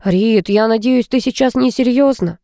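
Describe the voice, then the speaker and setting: Woman voicing grumbling young brother, exasperated, mellow, dry recording. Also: a little high, lively intonation, moderate pace, no echo, lightly acted. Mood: complaining. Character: young man, grumbling teasing older brother.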